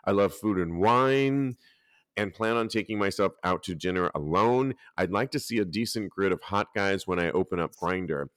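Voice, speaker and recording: Deep-voiced man hosting a chatty podcast. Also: moderate pace, no room sound, studio quality. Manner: lively, reads out articles and listener posts. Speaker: podcast host. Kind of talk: casual podcast chat.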